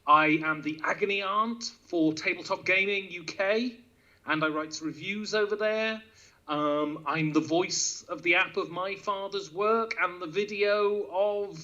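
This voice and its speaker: Man, bright and sharp tone, high pitch, playful teasing guest on a video call. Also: unhurried, dull audio. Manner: teasing, jokey banter. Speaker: guest, podcast host. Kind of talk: casual chat.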